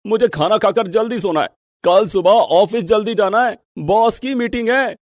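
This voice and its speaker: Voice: mid-range voice, moderate pace, no echo, natural voice. A voice actor playing a grown son in a cartoon story, complaining impatiently about a late dinner. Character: grown son, hungry and in a hurry for work.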